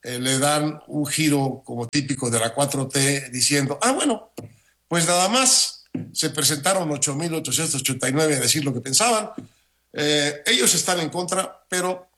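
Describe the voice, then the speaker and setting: Man, Mexican accent, fluish; dry measured commentary, halting pauses. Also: on the high side, animated, sharp tone. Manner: measured, wry, many "eh" pauses. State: has the flu. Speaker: regular commentator. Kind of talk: opinion commentary on air.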